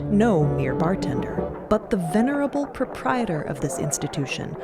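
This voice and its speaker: A woman narrating scripted fiction as a podcast storyteller. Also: on the low side. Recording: loud music under the voice.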